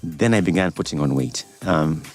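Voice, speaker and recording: A Ugandan man in his forties, a doctor, telling his life story in a relaxed interview with easy laughs. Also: sits low, moderate pace, soft background music. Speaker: doctor and guest. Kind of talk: casual interview chat.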